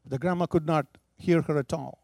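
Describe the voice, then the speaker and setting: A man's voice: fairly high pitch, steady tone, moderate pace, creaky, darkish tone, no echo. A man preaching, telling a story with emphatic, dramatic delivery. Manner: emphatic, rising and falling for drama.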